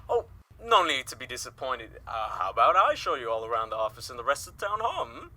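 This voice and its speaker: A man's voice: mid-range voice, sing-song, quick pace, pushed and bright, full character voice. A man playing a jovial, folksy newspaper colleague in an audio drama, cheery and courtly in manner. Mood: delighted.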